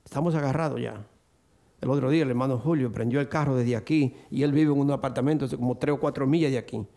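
An older man preaching a sermon to a church congregation, acting out the voices he quotes and rising to high, excited bursts. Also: fast talker.

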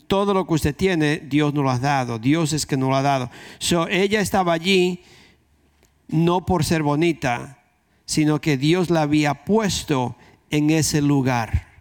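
A man's voice: on the high side, measured pace. A man with a Dominican accent preaching a conversational sermon, repeating key phrases for emphasis. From Dominican Republic.

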